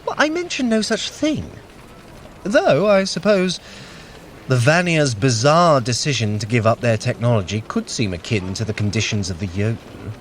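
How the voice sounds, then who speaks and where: Man acting imperious trickster god, animated, street noise. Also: mid-range voice, moderate pace, close to an everyday voice. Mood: sardonic, impatient. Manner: imperious, sardonic, clipped commands. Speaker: workout guide in audio adventure. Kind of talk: scripted audio drama with exercise cues. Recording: clear outdoor city ambience noise. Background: outdoor street sounds.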